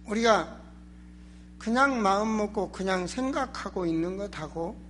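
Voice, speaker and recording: A man's voice: high-pitched, lively intonation, measured pace, fairly bright tone, slight background noise. A man preaching a sermon as a pastor, emphatic and exhorting, with rhetorical questions and a strained, sore throat. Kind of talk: sermon in Korean church.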